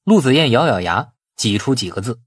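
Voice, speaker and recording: A man's voice: mid-range voice, big pitch swings, brisk, breathy edge, no room sound, clean studio sound. A man narrating a novel as a scripted audiobook.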